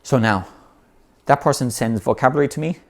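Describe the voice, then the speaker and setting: At a brisk clip and medium pitch, a native English speaker casually walks through how to learn vocabulary. His explanation is unscripted and laid-back, with lots of "you know" and phrases he begins again.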